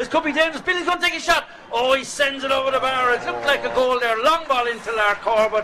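Over noticeable background noise, a man in a Munster Irish accent speaks at a very fast pace in a raised, projected voice, with an extremely high pitch and ordinary pitch variation. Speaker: radio sports commentator. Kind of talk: live sports commentary. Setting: stadium, live match. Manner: fast, fluent play-by-play.

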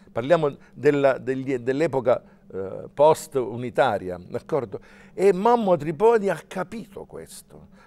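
Talking at a very slow pace, a man with a fairly high pitch and a dark, mellow tone makes very wide pitch swings and big swings in loudness. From Calabria. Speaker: TV host. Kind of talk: TV talk show discussion. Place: studio. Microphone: lapel.

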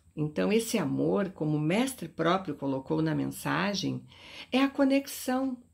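A woman speaks at a fairly slow pace with a very deep, low pitch. The background is quiet. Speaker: spiritual teacher. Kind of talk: spiritual talk to viewers. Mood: calm, warm. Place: home room. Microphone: phone near.

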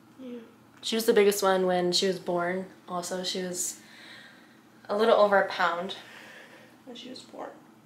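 A woman talks at a moderate pace with long, frequent pauses and big swings in loudness, with audible room echo and light background noise. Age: 20s. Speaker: lifestyle vlogger. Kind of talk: casual vlog narration. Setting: outdoors. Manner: animated.

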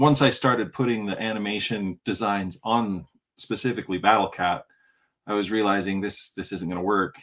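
Against a quiet background, a man speaks at a moderate pace. His pitch is fairly low and his intonation fairly even. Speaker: guest. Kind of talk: interview answer. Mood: warm, nostalgic. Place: home room.

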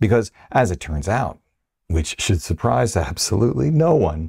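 Very deep and low, a man's somewhat breathy voice moves at a moderate pace. The background is quiet. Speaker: video creator, gear reviewer. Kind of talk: talking-head tech commentary. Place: home room.

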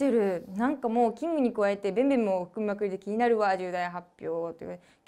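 A woman talks at a fairly quick pace in a fairly high pitch with ordinary pitch variation. The background is quiet. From Ibaraki, Hitachi city; Ibaraki, Japan. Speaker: show assistant co-host. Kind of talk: casual chat. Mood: playful, laughing. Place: studio.

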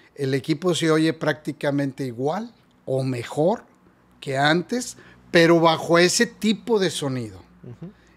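Speaking at a fairly slow pace, a man uses a fairly high pitch with lively intonation. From Nuevo León, Mexico (Ciénaga de Flores); Nuevo León, Mexico. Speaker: sound system promoter / sonidero; interview guest. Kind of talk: interview. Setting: workshop studio. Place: home room. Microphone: studio mic.

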